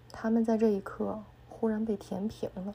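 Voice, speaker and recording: A woman's voice is somewhat breathy, with a dark, mellow tone and a monotone, flat intonation. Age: 30s. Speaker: amateur podcaster. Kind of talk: reading aloud.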